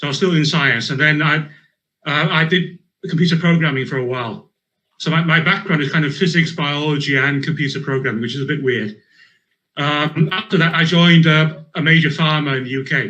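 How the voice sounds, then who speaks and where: In a Welsh accent, a man speaks at a fairly quick pace with a bright, sharp tone. His pitch is fairly high, with ordinary variation. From rural Wales. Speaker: scientist. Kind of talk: interview.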